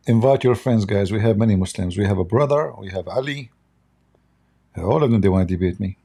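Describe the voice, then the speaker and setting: Man, hoarse livestream host, gravelly and dark, rambling jokey chat. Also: on the low side, moderate pace, long pauses. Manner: joking, rambling while fiddling with software. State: hoarse, losing his voice, coughing.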